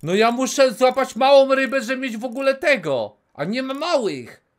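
A man in his thirties streaming a game from a small room on a headset mic, talking casually, cursing and yelling at the game, sometimes dropping to a whisper. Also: very high voice, normal speed. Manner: excitable, swears, yells at the game, then drops to a whisper. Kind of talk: casual live gameplay commentary.

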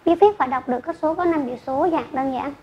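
A woman teacher giving an online math lesson to children, speaking slowly and carefully and reading out numbers digit by digit. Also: high voice. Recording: dull lo-fi recording with faint noise.

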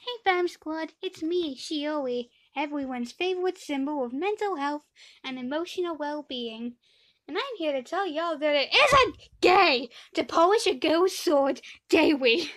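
Anime parody schoolgirl, thirteen adult woman performing. High voice, unhurried theatrical delivery, brash and self-deprecating. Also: animated, fairly bright tone. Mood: peppy, brash. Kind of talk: scripted comedic character voice reel.

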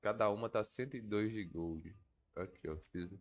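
A man's voice: on the low side, moderate pace. A Brazilian man with a stuffy, congested nose from a cold, thinking aloud in casual, slangy gameplay commentary. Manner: informal, slangy, swearing. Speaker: gaming video creator.

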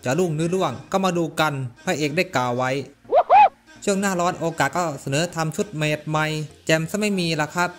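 A man casually recapping an anime's plot, with brisk, chatty, slangy asides. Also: fairly high pitch, loud music behind the voice.

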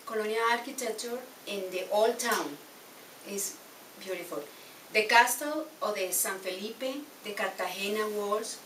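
A woman's voice: medium pitch, pushed and bright, slight background noise. A young woman from Colombia with a Colombian Spanish accent, presenting in English and searching for words. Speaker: adult English learner. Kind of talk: classroom show and tell presentation. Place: small classroom. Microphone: far camera. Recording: roomy classroom from far off.

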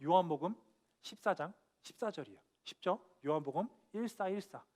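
Young male preacher, high voice, earnest and emphatic, church sermon. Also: expressive, brisk. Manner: earnest, emphatic, dropping soft then rising on key points. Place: church sanctuary.

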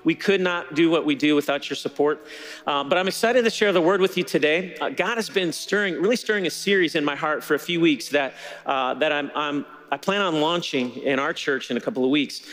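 A middle-aged man preaching a sermon from a church stage on a headset mic, telling stories in a relaxed conversational way. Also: on the high side, a little fast, long reverb tail. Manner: conversational storytelling with laughter. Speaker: pastor.

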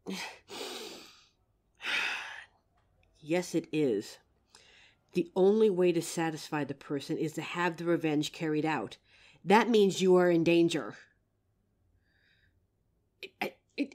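A woman's voice: fairly low pitch, warm tone. A young woman voicing an anxious, protective female werewolf who stammers and sighs as she talks to her partner. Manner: hesitant, stammering, sighing often. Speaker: voice actor in audio roleplay. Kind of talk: audio roleplay for a listener.

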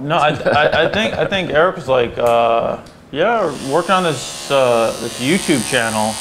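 A man's voice: medium pitch, expressive, normal speed, noisy background. A man chatting casually as a barbershop client, easygoing and agreeable. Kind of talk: casual chat. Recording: loud buzzing clippers over the voice. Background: loud electric shaver buzz.

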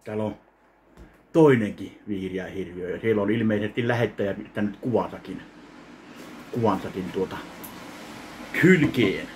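A man in his thirties opening fan mail in his kitchen in a casual vlog, commenting slowly with wry self-mockery into a webcam. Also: on the low side, a little hiss or hum. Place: home kitchen, indoors. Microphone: webcam in front of him.

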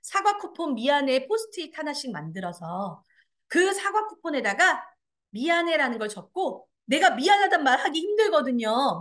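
A woman lectures parents and children in a parenting class, acting out dialogue in exaggerated voices and quizzing the audience, then answering her own questions. Her voice sits high with a fairly bright tone.

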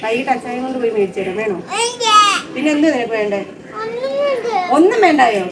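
A woman's voice: a little high, animated, fast, far from the mic. A woman vlogging at home as a mother, coaxing and scolding her small child. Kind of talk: casual home vlog. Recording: loud background noise.

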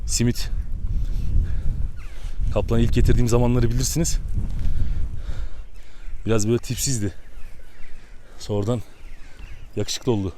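A man's voice: medium pitch, flat delivery, a little slow, long pauses, mellow, slight background noise. A man on a farm, coaxing and scolding his dogs in a friendly way while chatting to viewers. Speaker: shepherd-dog keeper vlogger. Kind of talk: casual outdoor vlog, coaxing dogs. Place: outdoors on a muddy farm. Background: animals and rural outdoor ambience.

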